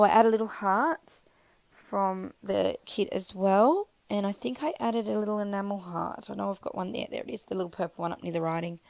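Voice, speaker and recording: A woman with an Australian accent and a croaky, scratchy voice from being sick, chatting casually as she narrates her crafting. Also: medium pitch, darkish tone, no echo. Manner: chatty, rambling, self-deprecating, many fillers. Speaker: scrapbooking vlogger.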